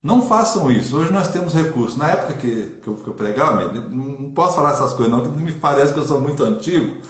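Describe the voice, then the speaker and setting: A Brazilian Catholic preacher speaking in a casual online chat, earnest and emphatic, repeating phrases for stress. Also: male voice, mid-range voice, expressive, fast, echoey room.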